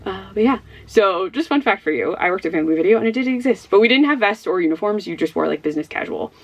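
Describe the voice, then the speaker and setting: A woman's voice: mid-range voice, lively intonation, quick pace, dull audio. A young woman from Ohio with a Midwestern accent, chatting casually to camera as a book vlogger, rambling and giggling with lots of fillers. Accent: Midwestern American. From Ohio, USA.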